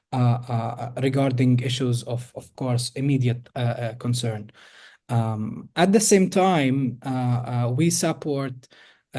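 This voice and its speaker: A young man from Jerusalem speaks as a podcast guest over a video call, with a mellow, warm voice. He explains things in a measured way, stopping often on "uh" and "um". His delivery is steady and unhurried. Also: medium pitch. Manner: hesitant, many fillers, measured explanation. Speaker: guest, executive director of an organization. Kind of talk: podcast interview.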